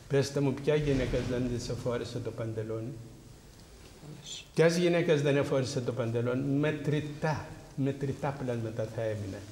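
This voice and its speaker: A man's voice: medium pitch, darkish tone, a little hiss or hum. A man, a priest, giving a spiritual talk to a congregation and asking them rhetorical questions. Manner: preaching with rhetorical questions to the audience. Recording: roomy hall with long echo.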